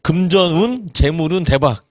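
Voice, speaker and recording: A man in his forties giving an earnest seminar talk, asking the audience rhetorical questions and filling pauses with hesitations. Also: fairly high pitch, animated, no room sound, studio quality. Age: 40s. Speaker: network marketing business presenter.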